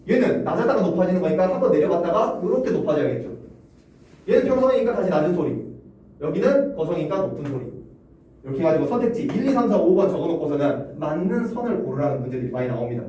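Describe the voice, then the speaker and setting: A man's voice: fairly high pitch, dark tone. A male Korean language teacher giving a classroom lecture, asking students questions and chuckling often. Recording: roomy classroom echo, distant mic, faint hum.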